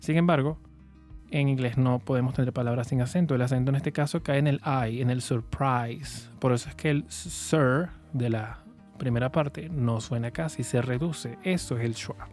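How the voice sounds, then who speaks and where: A man teaching English pronunciation in a patient, clear way, saying model words slowly for learners to repeat. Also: medium pitch, darkish tone, faint music behind. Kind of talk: shadowing lesson, repeat-after-me drills.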